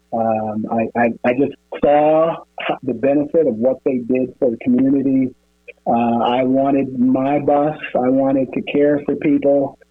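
Music plays in the background as a man speaks at a fairly slow pace and medium pitch. His loudness stays very even and his intonation fairly even. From Seattle, Washington. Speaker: transit agency executive. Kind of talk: radio interview. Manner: halting, frequent word repetitions.

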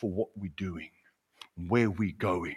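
There is a very clean recording with a silent background of a man speaking with a South African accent. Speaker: pastor. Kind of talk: sermon.

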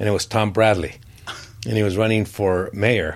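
A man speaks with a Californian accent at a moderate pace. His pitch is fairly low. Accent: Californian American English. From Los Angeles. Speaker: political science professor. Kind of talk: interview. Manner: halting, with frequent repetitions.

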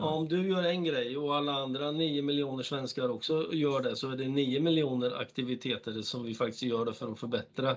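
A man's normal speaking voice, medium in pitch with ordinary variation, at a fairly quick rate. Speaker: podcast co-host, tool salesman. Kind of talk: casual chat.

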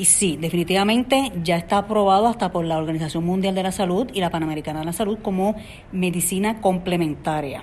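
The speaker is a woman with a medium pitch and ordinary pitch variation. She talks at a very fast pace. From Puerto Rico. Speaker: clinical psychologist and tai chi teacher. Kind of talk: interview.

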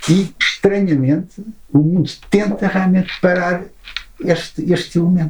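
The speaker is a man. His voice comes across as somewhat breathy. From Portugal. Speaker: medical doctor and author. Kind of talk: interview conversation. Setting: library recording room.

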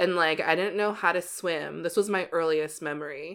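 Here is a woman with a plain, everyday voice and a Canadian accent, fairly low in pitch with ordinary pitch variation, at a moderate pace. The recording is very clean, with a silent background. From Philippines, raised in Toronto. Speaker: podcast co-host. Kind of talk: casual chat.

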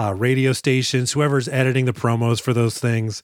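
A man's medium-pitched voice at a moderate pace, a plain, everyday voice. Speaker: podcast host. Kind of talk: casual comedic chat. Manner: jokey, conversational.

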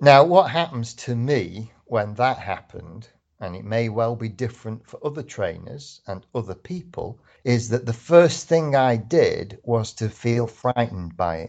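Against a quiet background, a man with an English accent speaks fairly slowly at medium pitch, with lively intonation and big swings in loudness. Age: 50s. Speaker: trainer, transactional analysis expert. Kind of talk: casual interview. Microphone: poor audio quality.

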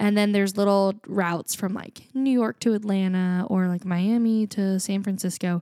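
In a plain, everyday voice of medium pitch, a woman speaks at a moderate pace with hardly any pauses on a very clean recording with a silent background. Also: fairly even intonation. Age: 20s. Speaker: podcast co-host, therapist in training. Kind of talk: casual chat.

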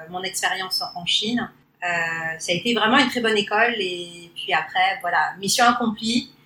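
A woman speaks at a moderate pace with ordinary pitch variation and big swings in loudness, with noticeable background noise behind her. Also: medium pitch for a woman. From Paris, France. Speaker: podcast guest. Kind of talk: casual chat. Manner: hesitant with many fillers.

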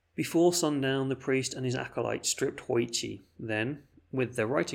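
Pitch varies in an ordinary way. The delivery is plain reading aloud.

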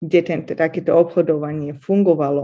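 Against a quiet background, a woman speaks at a moderate pace with a fairly low pitch. Her tone is dark and mellow, her intonation monotone and flat. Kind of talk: interview.

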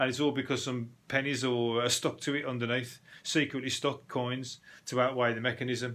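With a Birmingham accent, a man speaks at a moderate pace in a medium pitch, his tone bright and sharp and his intonation monotone and flat. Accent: Birmingham (Brummie) English. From Birmingham, West Midlands. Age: adult. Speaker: podcast host and comedian. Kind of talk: casual solo commentary.

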